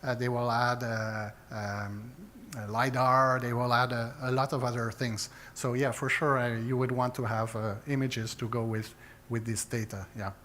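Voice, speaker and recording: A man's voice: medium pitch, level tone, normal speed, fairly bright tone, a little hiss or hum. A man from Quebec answering audience questions at a conference, hesitant with many fillers. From Quebec, Canada. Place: conference hall.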